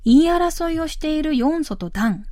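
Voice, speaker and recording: A woman hosting a language course, explaining phrases clearly and slowly in scripted narration. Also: high voice, expressive, dark tone. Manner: clear, careful explanation with slow model phrases.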